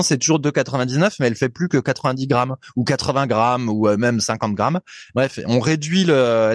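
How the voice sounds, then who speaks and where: A man's voice: mid-range voice, no room sound, clean studio sound. A man co-hosting a casual podcast, explaining things at length in a chatty way and laughing easily. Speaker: podcast co-host. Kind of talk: casual chat.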